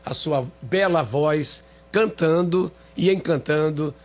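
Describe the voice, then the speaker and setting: A man's voice: fairly high pitch, slow pace. Effusive man hosting a radio show. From Maranhão, Brazil. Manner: enthusiastic, effusive praise. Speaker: radio host. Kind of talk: radio interview.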